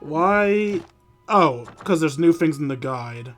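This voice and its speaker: High-pitched man streaming a video game. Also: expressive, takes it slowly. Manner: informal, swearing, grumbling. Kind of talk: casual livestream gameplay commentary. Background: music.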